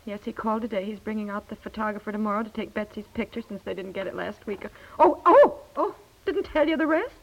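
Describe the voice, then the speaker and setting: A woman's voice: mid-range voice, animated, fast, hardly any pauses, lightly acted. An actress playing a chatty, fussy American wife and mother, rambling and flustered as she placates, in 1950s radio comedy style. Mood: placating. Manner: rambling, flustered, self-correcting. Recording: muffled 1950s radio broadcast recording.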